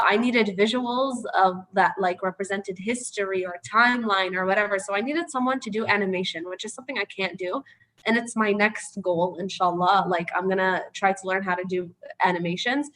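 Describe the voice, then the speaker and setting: A woman's voice: medium pitch, fairly bright tone, rough recording. Woman trainer talking casually online, dry throat, keeps saying you know. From Palestinian. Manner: chatty and earnest, frequent "you know" and "like". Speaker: media trainer. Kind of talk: online training session answer.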